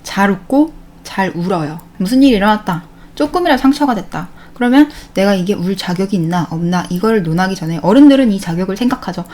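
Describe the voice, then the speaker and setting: A woman with a mid-range voice gives a casual talk on emotional healing. She speaks loosely, often repeating herself or restarting a phrase. Now and then she voices quick lines as a parent or a child. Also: mid-range voice, animated, darkish tone. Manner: conversational, acts out quoted parents and children in brief voices; repeats words and restarts, with many fillers. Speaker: self-help channel host. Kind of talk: casual spoken lecture on inner healing.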